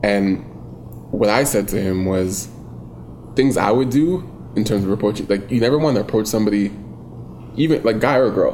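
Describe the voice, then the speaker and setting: Against noticeable background noise, a man with a fairly low pitch and ordinary pitch variation talks at a fairly quick pace and very even loudness, leaving long, frequent pauses. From Toronto. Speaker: artist and photographer. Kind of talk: casual chat.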